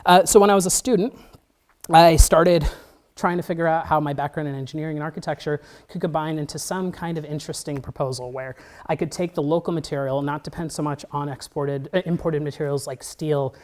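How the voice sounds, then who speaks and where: A man in his thirties giving an academic design lecture, earnest and halting, with frequent restarts and fillers. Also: fairly high pitch, fairly even intonation, darkish tone. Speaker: architecture lecturer.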